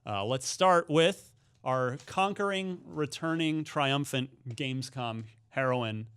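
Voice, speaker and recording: A man's voice: medium pitch, slow, a bit bright, smooth. A man hosting a video games talk show, moving between upbeat presenting and casual chat. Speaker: show host.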